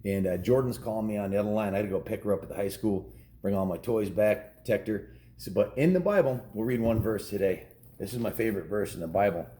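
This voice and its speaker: An American man in his fifties reads a story to kids in a low, very mellow voice. His delivery is folksy and informal, slipping into casual asides and correcting himself as he goes. The room adds noticeable echo. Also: fast. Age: 50s. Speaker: storyteller reading a children's book to kids. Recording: roomy echo with faint background noise.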